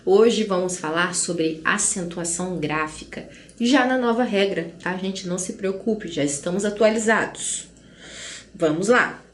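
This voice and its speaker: A Brazilian woman teacher giving an online grammar lesson in a chatty way, often tagging lines with "né?" and slowing down to stress syllables. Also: mid-range voice, slight background noise. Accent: Brazilian Portuguese. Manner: chatty, frequent "né?" and "gente" asides. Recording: roomy echo.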